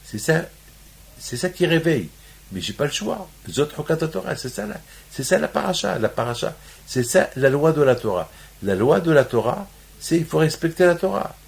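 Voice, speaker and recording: A man's voice: fairly high pitch, very animated, normal speed, gravelly. A man from Morocco giving a sermon on the weekly Torah portion, restating his points over and over and rising into emphatic peaks. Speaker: rabbi.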